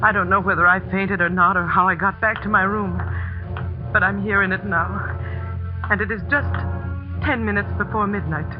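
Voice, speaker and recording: A woman's voice: mid-range voice, fairly even intonation, moderate pace, lightly acted. A woman playing a frightened teacher who narrates her own ordeal in breathless first person, in 1940s radio drama style. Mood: fearful. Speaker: narrator and lead character. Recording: muffled 1940s radio broadcast with music.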